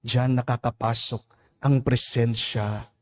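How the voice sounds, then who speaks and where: A Filipino priest giving a homily, preaching slowly and deliberately, drawing out English phrases and asking his listeners "Amen?". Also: mid-range voice, level tone. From Philippines. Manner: slow, deliberate preaching with emphatic rises and drawn-out English phrases; addresses listeners as "mga kapatid" and asks "Amen?".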